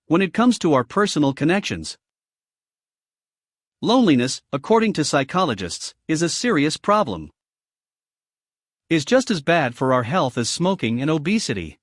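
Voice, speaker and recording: A man with a Greek accent reads a self-help audiobook in a lively, expressive way, often addressing the listener with questions. His voice sits a little high and moves a lot. The recording is close and dry, with no room sound. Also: moderate pace, pauses often, dry recording. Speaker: audiobook narrator.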